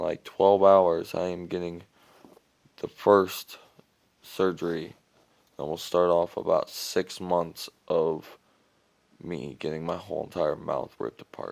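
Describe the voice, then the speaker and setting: A man puts on a raspy character voice with a very deep, low pitch, speaking at a fairly slow pace with long, frequent pauses. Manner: shaky.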